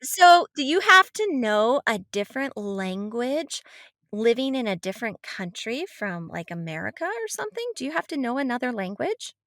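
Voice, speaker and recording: A woman's voice: on the high side, very animated, moderate pace, no echo, clean studio sound. Encouraging woman interviewing a child. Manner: gentle, encouraging, often repeats answers back. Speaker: children's program host and interviewer.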